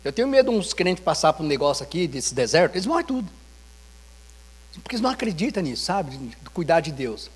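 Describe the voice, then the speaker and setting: A man's voice: on the high side, quick pace, slightly rough, in a large hall. A man with a Brazilian Portuguese accent, a pastor preaching an informal sermon full of anecdotes and acted-out dialogue in a church. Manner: storytelling, animated, acts out dialogue. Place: church sanctuary.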